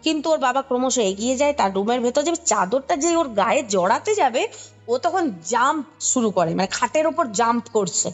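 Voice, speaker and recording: A woman's voice: on the high side, animated, a little fast, husky, soft background music. A woman with a Kolkata Bengali accent recounting a story conversationally, explaining as she goes and checking in with the listener. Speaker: podcast guest recounting a ghost story.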